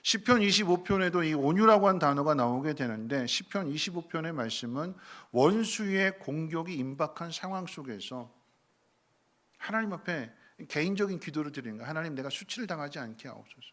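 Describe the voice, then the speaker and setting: A male pastor preaching a sermon in a church. He swings between soft, low passages and loud, emphatic bursts, and acts out the prayers he quotes. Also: expressive, moderate pace. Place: church sanctuary.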